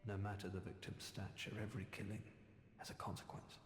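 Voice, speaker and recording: An actor playing a weary, aloof male sorcerer teacher who speaks in a dry, measured, slightly reproachful way, heard from a video game. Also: fairly low pitch, monotone, lightly acted. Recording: game audio with roomy reverb and music.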